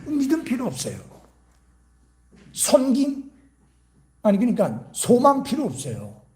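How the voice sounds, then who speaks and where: A man's voice: extremely high pitch, huge pitch swings, measured pace, darkish tone. A man preaching at a church revival meeting, asking the congregation rhetorical questions and sometimes dropping his voice to a whisper. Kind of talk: sermon.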